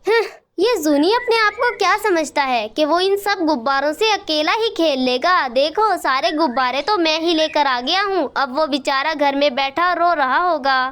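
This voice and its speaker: A woman's voice: high-pitched, expressive, normal speed, hardly any pauses, a bit bright. A woman voicing a greedy, bossy crow boy in a cartoon, taunting and demanding.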